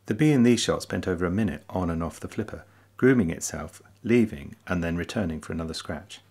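Man, very low voice, husky, calm documentary voice-over, measured explanations. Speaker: narrator. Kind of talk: scripted documentary narration. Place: voice-over, not recorded in the pictured hive.

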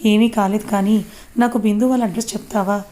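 A woman's voice: mid-range voice, steady tone, fast, mellow, close to an everyday voice. A woman voicing a worried young man who scolds and pleads with his friend.

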